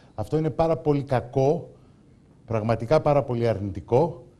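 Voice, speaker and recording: This man's voice has a dark, mellow tone and lively intonation. He speaks at a fairly slow pace. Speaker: urologist. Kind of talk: panel discussion. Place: hall.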